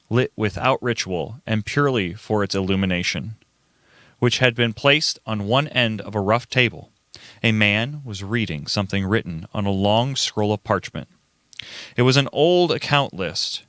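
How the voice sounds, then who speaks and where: A man's voice: medium pitch, pushed and bright, no echo, studio quality. A man acting as narrator and reader in an amateur recording of a dramatic reading. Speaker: narrator and reader of all parts.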